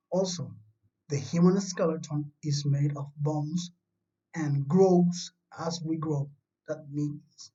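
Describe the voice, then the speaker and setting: A primary school science teacher from Chile gives a recorded remote lesson to young children, speaking slowly and mellowly at a medium pitch. The explanations are patient, simple and reassuring, captured in a distant, dull, lo-fi home recording.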